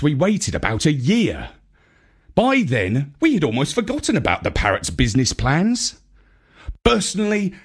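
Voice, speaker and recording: A male audiobook reader narrating a children's story. He takes his time, with a husky voice and a highly animated, expressive melody. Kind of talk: scripted first-person children's story narration.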